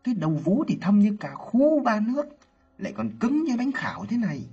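A bossy old matriarch from a storybook, her voice pushed high and shrill, breaking into wailing laments and curses, as a man puts her on. The tone is husky and rough. It is heard on a dull, lo-fi recording with faint music underneath. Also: darkish tone, exaggerated voice. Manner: theatrical lamenting cries. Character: elderly village matriarch, sharp-tongued and doting.

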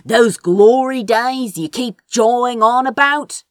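A woman's voice: a little high, slow, no echo, voice pushed up. A woman voicing an insolent, sardonic male sorcerer in an audiobook, with a flippant, drawling manner. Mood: frank, weary. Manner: drawling, flippant, dry sarcasm.

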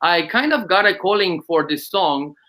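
A man's voice: high voice, expressive, normal speed, bright, forceful tone. A man, a guest musician talking hesitantly with many fillers over a video call. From Lebanon. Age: 30s. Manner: hesitant, many ums and uhs, laughs often. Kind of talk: casual interview.

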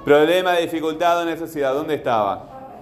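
A man's voice: fairly high pitch, moderate pace, soft background music. A man teaching a class, patiently questioning his students as he goes. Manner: patient, asks the class repeatedly.

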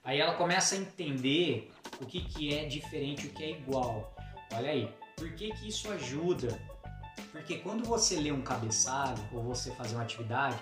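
A man's voice: mid-range voice, expressive, normal speed, reverberant, music in the background. A man who explains reading methods step by step in a casual teaching tone, often checking that the listener follows. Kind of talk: casual instructional talk.

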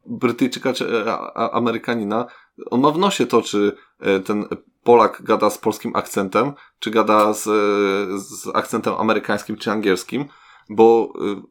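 A man's voice: lowish voice, fairly even intonation, moderate pace. A man co-hosting a casual podcast, speaking hesitantly with many fillers and trailing phrases. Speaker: podcast co-host. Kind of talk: casual chat.

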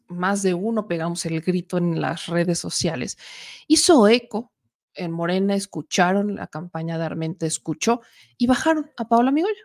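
This political talk show host is a Mexican woman in her thirties, originally from Puebla, with a slightly mellow, mid-range voice. Still shaking off a cough from allergies, she banters and jokes, turning now and then to make remarks to her producer.

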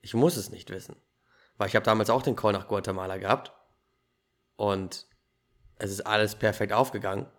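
A man hosting a podcast, telling his own story in a lively, casual way with youthful slang. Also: on the low side, brisk, pauses often. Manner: animated storytelling, laughs easily, youthful slang. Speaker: podcast host.

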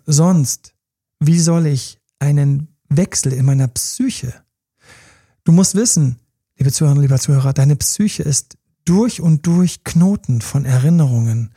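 A man's voice: on the high side, vocal fry, mellow, slightly rough, no room sound, studio quality. A man giving relationship coaching in a podcast monologue, talking straight to his listeners in a direct, informal way.

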